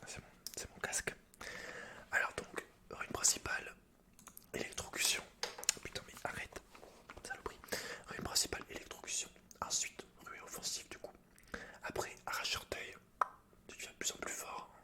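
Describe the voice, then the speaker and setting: A man speaking in a breathy, unvoiced whisper with a hushed, intimate ASMR delivery. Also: normal speed, pauses often. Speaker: ASMR gaming YouTuber. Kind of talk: whispered ASMR story reading and game commentary.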